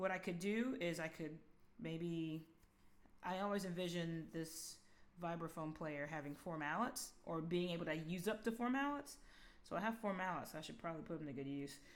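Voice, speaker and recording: Against audible room echo, a woman with a fairly low pitch speaks with lively intonation. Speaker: video game music composer streamer. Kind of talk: casual livestream commentary while composing. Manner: fast; halting, self-correcting.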